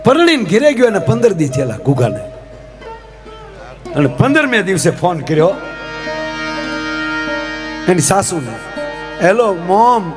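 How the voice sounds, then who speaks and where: A man's voice: sits high, sing-song, a little slow, pauses often, over music. A man telling comic folk stories on stage in a chatty way, asking the audience rhetorical questions and calling them "sir". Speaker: folk comedian and storyteller. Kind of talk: live stage comic storytelling.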